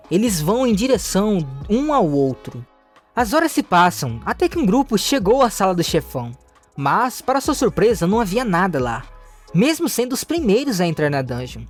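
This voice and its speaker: Lively recap narrator, faint music. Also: mid-range voice. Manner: steady reading with small restarts. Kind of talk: recap narration, read aloud.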